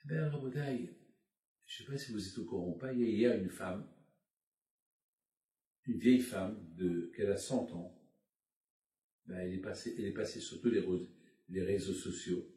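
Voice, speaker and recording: A tired middle-aged rabbi preaches over a video call, his fairly low, mellow voice sounding distant and echoey. His heartfelt sermon is halting, full of hesitations and fervent repetitions.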